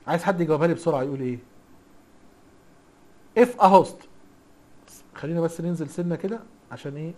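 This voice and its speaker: A man's voice: on the high side, a little mellow. A man with an Egyptian accent teaching a casual recorded lesson, chatty and teasing, constantly quizzing the class with rhetorical questions. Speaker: IT instructor.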